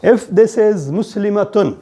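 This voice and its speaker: A man with a South Asian accent teaching a grammar lesson in a deliberate, explanatory way, often checking with questions. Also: sits high, animated, mellow. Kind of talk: classroom lesson on Arabic grammar.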